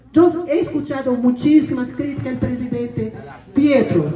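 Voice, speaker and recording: Over noticeable background noise and audible room echo, a woman speaks fairly slowly in a high pitch. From Brazil. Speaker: sociology professor. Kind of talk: conference talk. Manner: emphatic.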